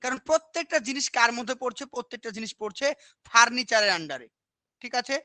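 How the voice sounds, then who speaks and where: Woman coaching teacher, crisp bright tone, close dry mic, drills terms, keeps asking if you follow. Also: a little high, no echo. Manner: repetitive, quizzing, asks "understood?" often. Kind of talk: Bengali lesson on English teaching with repeated questions.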